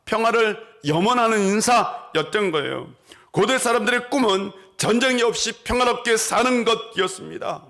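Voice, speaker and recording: A man's voice: normal speed, a bit bright. A male pastor preaching a Sunday sermon in a church, asking the congregation questions and answering them, and acting out quoted voices. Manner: acts out quoted voices in a higher pitch. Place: church sanctuary.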